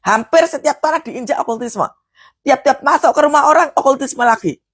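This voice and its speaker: A woman preacher, giving a charismatic sermon. She swings from loud, forceful preaching to hushed prayer. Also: high-pitched, a little fast, no echo.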